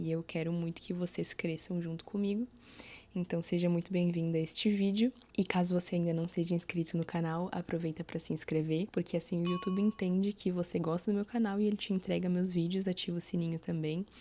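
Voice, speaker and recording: Speech comes at a fairly quick pace in a flat, monotone delivery. The tone is dark and mellow. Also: woman, fairly low pitch for a woman. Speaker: lifestyle vlogger. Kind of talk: vlog talk to camera. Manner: soft-spoken.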